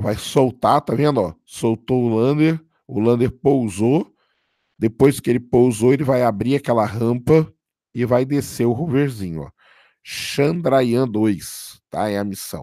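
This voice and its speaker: A man with a dark, mellow tone speaks at a fairly slow pace in a medium pitch with ordinary pitch variation, in a very clean recording with a silent background. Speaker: astronomy science communicator. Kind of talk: live launch commentary. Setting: livestream. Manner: animated; talks a lot.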